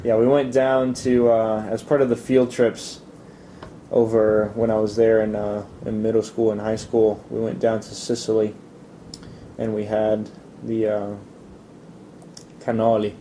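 A young man answers interview questions in a relaxed, stop-and-start way, filling the gaps with ums and uhs. His voice is deep-toned and very mellow. A faint rumble sits under the recording. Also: low-quality recording. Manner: relaxed, halting, many fillers and restarts. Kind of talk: casual interview.

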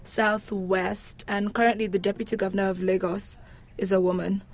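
A woman's voice: mid-range voice, little pitch movement, normal speed. Young Nigerian woman chatting in an interview. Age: young adult. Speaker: university student being interviewed. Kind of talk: casual conversational interview.

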